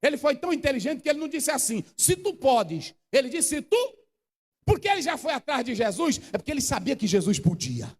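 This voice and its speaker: A male pastor preaching a fervent sermon. He swings between hushed phrases and outbursts. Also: extremely high pitch, animated, quick pace, hardly any pauses. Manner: fervent, swings from hushed to shouting, acts out quotes. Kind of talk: impassioned Pentecostal sermon. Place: church hall. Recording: long church hall reverb.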